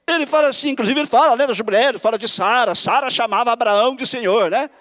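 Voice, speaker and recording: A pastor preaching with jokes, his fairly high voice swooping up and down as he plays out little scenes. He speaks in a church. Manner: animated, jokes and acts out quotes in shifting voices. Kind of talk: humorous sermon.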